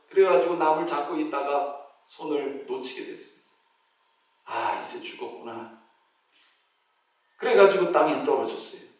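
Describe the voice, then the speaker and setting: A middle-aged male pastor preaching a sermon, telling a story and acting out the shouts and prayers of its characters. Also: fairly high pitch. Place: church sanctuary. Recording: echoey church hall from a distance.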